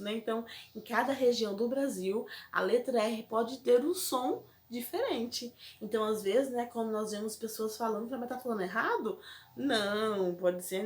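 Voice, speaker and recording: A Brazilian woman teaching a primary school lesson, speaking patiently and checking in with the children often. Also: fairly high pitch. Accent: Brazilian Portuguese. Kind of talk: recorded classroom lesson. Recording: echoey room.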